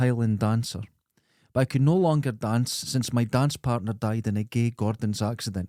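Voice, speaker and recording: In a strong Scottish accent, a man speaks at a medium pitch and moderate pace with ordinary pitch variation and a dark, mellow tone. The recording is very clean with a silent background and a dry, close sound with no echo. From Scotland, Dundee. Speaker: comedian podcast co-host. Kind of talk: casual comedic chat. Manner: animated.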